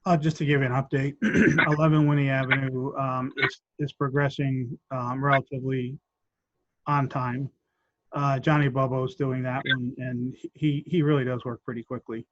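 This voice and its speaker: A man reports on projects in a flat, level tone while losing his voice, so his throat keeps catching. He speaks haltingly and starts sentences over. The call audio is muffled and lo-fi. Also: mid-range voice, dry recording. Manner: halting, many ums and restarts, measured. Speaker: land bank staff member giving project updates. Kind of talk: meeting discussion.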